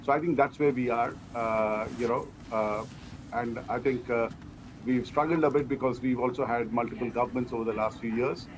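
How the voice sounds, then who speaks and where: A man giving measured, explanatory answers as a company executive in an interview. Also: medium pitch. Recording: clearly noisy background.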